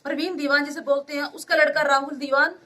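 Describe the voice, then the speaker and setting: A woman's voice: sits high, level tone, fast, pushed and bright, a little hiss or hum. A woman giving an urgent, pleading account to a reporter, often addressing him as sir. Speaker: interviewee recounting an assault. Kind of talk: emotional testimony to a reporter.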